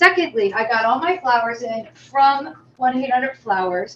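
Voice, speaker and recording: High-pitched woman in a Philadelphia accent. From Philadelphia, US Northeast. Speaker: florist. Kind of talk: tutorial. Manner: casual, chatty.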